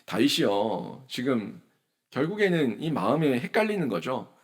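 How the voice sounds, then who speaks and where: A man's voice: medium pitch, very animated, normal speed. A male pastor preaching a sermon, retelling scripture as dialogue and asking his listeners questions.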